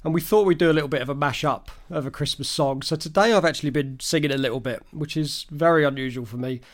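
A man hosting a podcast, his voice slightly croaky, talking in a chatty, upbeat way. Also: fairly high pitch, fast talker. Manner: chatty, upbeat, friendly promotional. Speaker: podcast host. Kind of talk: casual solo wrap-up talk.

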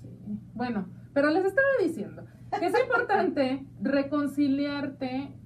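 A woman with a Mexican accent hosting a talk show, chatty and playful, speaking warmly to her listeners. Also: high-pitched, very animated, unhurried, distant mic, a little hiss or hum. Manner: chatty and playful, calls listeners "hija de mi vida". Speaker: radio show host. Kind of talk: casual talk show chat.

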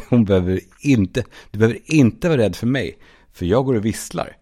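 A man hosting a solo comedy podcast, telling absurd stories in a deadpan way and now and then shouting out quoted lines. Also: lowish voice. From Sweden. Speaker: podcast host.

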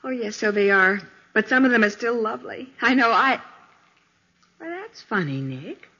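Young American female assistant: bright, animated, curious, dull vintage radio crime drama recording. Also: fairly high pitch, normal speed, husky, full character voice. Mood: excited, wondering. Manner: girlish, exclaiming, curious. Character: eager, observant young female detective's assistant.

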